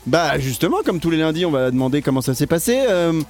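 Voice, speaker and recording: A man with a fairly high voice hosts a radio morning show, joking and teasing his co-hosts in playful banter. Faint music sits under his talk. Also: animated, fast, darkish tone.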